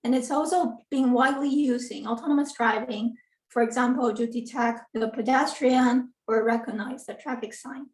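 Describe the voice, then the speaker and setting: Speaking as a guest lecturer on a video call, the assistant professor from Taiwan, a woman in her thirties, talks earnestly with many ums and self-corrections. Her voice is on the high side and darkish, steady in tone at normal speed, and sounds distant and roomy through the computer mic.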